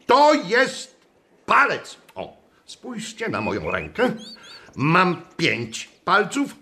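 High-pitched, swooping pompous schoolteacher. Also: male voice, huge pitch swings, very slow, pushed and bright, slight background noise, heavily acted. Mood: stern, indignant. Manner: pedantic, lecturing, theatrical. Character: pompous, strict male schoolteacher, callously pedantic. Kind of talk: radio drama acting.

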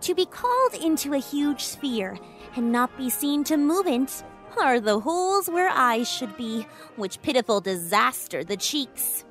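A woman playing a gossiping, sharp-witted Roman servant in a Shakespearean audio drama. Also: high voice, very animated, unhurried, faint music behind, exaggerated voice. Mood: gossipy.

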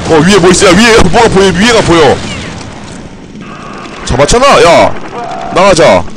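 A high-pitched, wildly animated male gamer calls out his moves live. He drops into low mutters and then bursts into angry cursing shouts. Clear noise sits under the recording. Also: unhurried. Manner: excitable, swings between mutters and furious cursing shouts. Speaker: game streamer. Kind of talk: live gameplay commentary.

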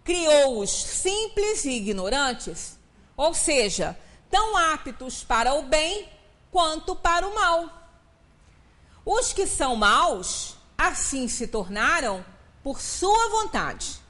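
Palestrante brasileira de voz aguda. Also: female voice, high voice, very animated, slow pace, fairly bright tone. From Brazil. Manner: explanatory, emphatic, often adds "né?". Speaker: spiritist lecturer. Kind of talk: lecture at a spiritist center. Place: small meeting room, indoors.

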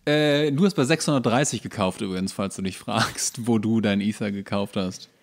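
A man's voice: lowish voice, moderate pace. A man co-hosting a casual podcast, bantering with a friend in a dry, mock-confident way. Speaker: podcast co-host.

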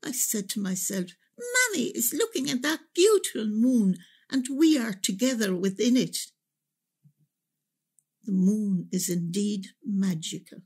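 An Irish mother in a radio play monologue. She speaks slowly and tenderly in a husky voice that rises and falls expressively, proud and reflective as she tells her memories. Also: mid-range voice, sing-song, a little mellow.

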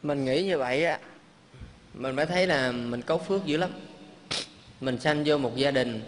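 Emotional monk preaching. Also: male voice, mid-range voice, normal speed. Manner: emotional, conversational storytelling with rhetorical questions. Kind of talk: sermon storytelling. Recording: long reverb, faint background hum.

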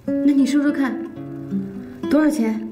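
A defiant, sharp-tongued young girl in a TV drama scene, with a fairly high voice. Guitar music plays underneath her lines. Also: fairly even intonation, a little slow. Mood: sulky. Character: sulky ten-year-old girl, defiant and sharp-tongued. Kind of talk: TV drama acting.

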